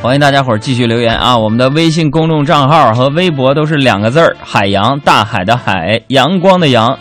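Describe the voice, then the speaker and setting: Male radio host, comic listener-message reads, lively swinging pitch. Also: fairly quick, music in the background. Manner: playful, self-mocking storytelling. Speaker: radio talk show host.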